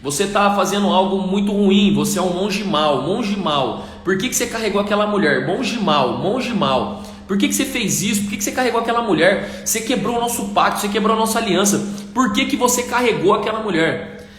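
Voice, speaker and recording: Man playing a nagging angry monk, higher voice, roomy sound. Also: expressive, brisk, fairly bright tone. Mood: indignant scolding. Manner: nagging, repeats accusations. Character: indignant scolding male monk. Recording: echoey room.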